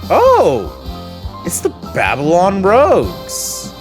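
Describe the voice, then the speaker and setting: A man's voice: sits high, wildly swooping pitch, very slow, faint music behind. A man hosting a reaction video with casual, rambling, chatty commentary.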